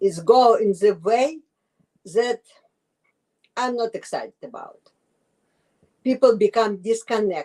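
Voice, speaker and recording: A woman speaks in a Russian accent. Her pace is fairly slow. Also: dry, close sound with no echo. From former USSR. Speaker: life coach. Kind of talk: interview answer.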